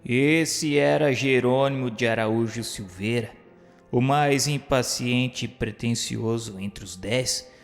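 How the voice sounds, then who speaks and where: A man reading literary first-person narration for an audio drama in a solemn, formal, measured manner. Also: medium pitch. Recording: long reverb, music behind. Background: music.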